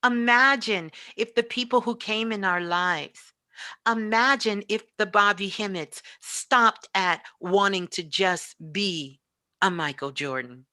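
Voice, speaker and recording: A woman's voice: medium pitch, slow pace, bright, forceful tone, no room sound. A woman giving a spiritual motivational talk, speaking emphatically and repeating phrases for effect. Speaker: spiritual teacher and show host, as guest.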